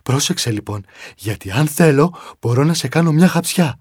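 Storybook: a big amused dog, teasing and scolding, slightly husky, voiced by a man. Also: fairly high pitch, expressive, a little mellow, no room sound, clean studio sound, voice pushed up. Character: huge amused mocking male dog. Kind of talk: storybook narration.

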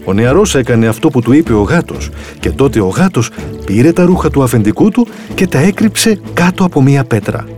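Expressive man reading a storybook. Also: mid-range voice, soft background music. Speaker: narrator.

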